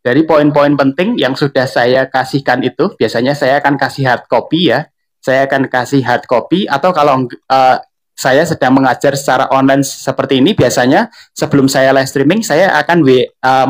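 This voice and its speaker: A man's voice: mid-range voice, moderate pace. A young man with a Central Javanese Indonesian accent, an online tutor talking casually on a live stream, chatty and full of fillers. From Central Java. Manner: chatty, filler-heavy, addresses viewers often.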